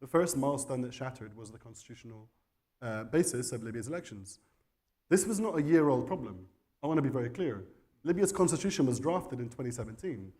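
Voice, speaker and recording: Insistent man with a mellow voice. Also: mid-range voice. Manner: forceful, insistent argument. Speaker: panelist. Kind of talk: panel discussion. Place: conference hall.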